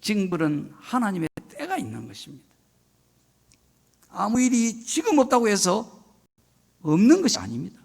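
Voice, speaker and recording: A man's voice: sits high, wildly swooping pitch, moderate pace, vocal fry, long pauses, darkish tone. An older man, a retired senior pastor, preaching a solemn, emphatic sermon of warning.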